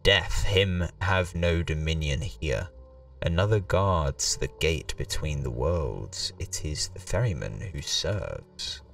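A man reading game text aloud as a solemn storybook pirate narrator, slow and dramatic. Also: very deep voice, lively intonation, vocal fry, a bit bright, distant mic, pitched below the performer's own voice, full character voice. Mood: solemn, ominous.

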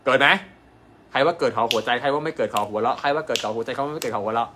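A man, a doctor, giving an animated live-stream sales pitch and asking his viewers rhetorical questions. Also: very fast, noisy background. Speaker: acupuncture doctor selling an online course.

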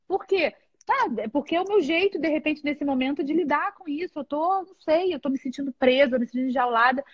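A woman's voice: sits high, brisk, no echo, muffled recording. A Brazilian woman, a guest on a live video chat, talking candidly and expressively with frequent laughs. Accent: Brazilian Portuguese.

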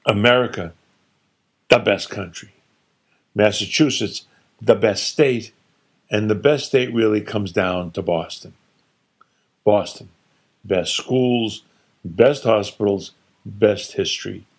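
A man's voice: on the low side, husky, heavily acted. A man doing his blustering old father. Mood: proud. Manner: blustering, dismissive, rattling off rapid-fire insults. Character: opinionated older father boasting about his home state. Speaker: narrator voicing his father.

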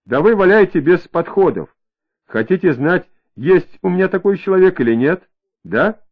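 A man voicing a capricious young woman who drifts between dreamy drawling and sharp, greedy retorts, in an audiobook reading with a tinny, phone-like sound. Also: high-pitched, animated, moderate pace, pitched above the performer's own voice.

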